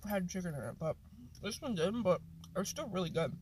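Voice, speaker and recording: A man's voice: high voice, expressive, fairly quick, noisy background. A young man talking with his mouth full during a casual taste test, blunt and rambling. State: talking while chewing. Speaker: food vlogger.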